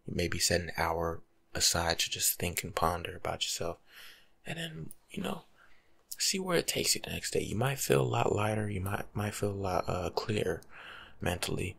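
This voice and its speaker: A young man doing soft-spoken ASMR as a laid-back, rambling life coach, husky and often slipping into a whisper. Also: deep voice, big pitch swings, moderate pace. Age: young adult. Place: small room at home.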